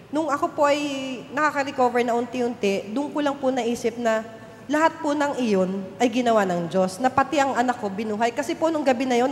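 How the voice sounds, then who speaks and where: A young woman earnestly telling a personal faith testimony to a gathering, narrating with polite respectful phrasing. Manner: earnest, storytelling, polite po throughout. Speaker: guest testifying at a church gathering. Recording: long hall reverb, faint rumble.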